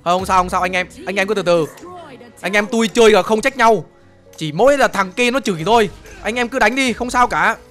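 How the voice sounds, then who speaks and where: A young man giving excitable live gameplay commentary, full of exclamations and brash trash talk aimed at opponents. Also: high voice, a little fast, faint music behind. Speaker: gaming streamer.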